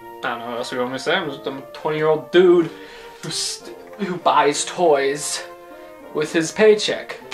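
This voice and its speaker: A man's voice: a little high, measured pace, soft background music. A man in his twenties, the host of his own vlog, answering questions about himself in a joking, rambling way. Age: 20s. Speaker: YouTube host. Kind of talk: casual vlog Q&A.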